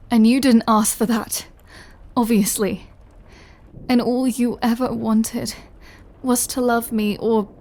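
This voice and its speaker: In an intimate audio roleplay, a woman with a slightly high voice plays a female vampire who is lovesick, remorseful, and craving her lover's blood. Her delivery is hesitant, halting, and confessional, with soft, breathy drops that often ease toward a whisper.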